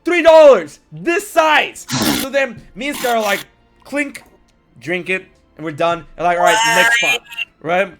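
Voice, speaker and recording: A young man from the United States with a high, bright voice, spinning a lively story in loose conversation. He acts out what people said, jumping up loud and high for the punchlines. Faint music sits under the recording. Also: unhurried, vocal fry. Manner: animated, acts out quotes with loud jumps. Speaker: podcast host. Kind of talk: casual storytelling chat.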